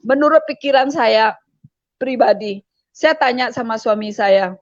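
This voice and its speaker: A middle-aged woman giving an emotional personal testimony, repeating herself and pausing with hesitations. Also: on the high side, no echo, lo-fi sound. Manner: emotional, repetitive storytelling with frequent hesitations. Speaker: testimony speaker.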